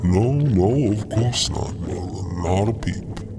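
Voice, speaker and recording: Slow, sly eerie creature. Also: male voice, deep voice, vocal fry, noisy background, exaggerated voice. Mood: sly, mock-meek. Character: eerie, sly terror mutant creature, politely insinuating.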